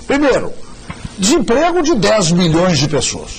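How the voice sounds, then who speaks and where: A man speaks at a fairly slow pace with very wide pitch swings. Noticeable background noise and audible room echo are present. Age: 60s. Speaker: TV debate panelist, professor. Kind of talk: televised panel debate.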